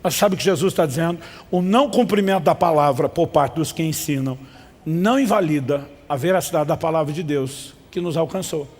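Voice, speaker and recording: Male pastor, fairly high voice, emphatic sermon with call-and-response, long hall reverb. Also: fairly quick, a little mellow.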